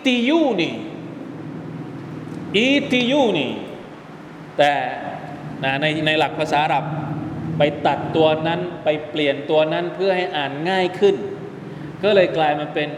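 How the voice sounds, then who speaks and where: A man's voice: on the high side, moderate pace. A man giving a religious lesson, explaining pronunciation step by step and quizzing his listeners. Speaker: Quran commentary teacher. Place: mosque hall. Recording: echoey hall with long reverb, faint background noise.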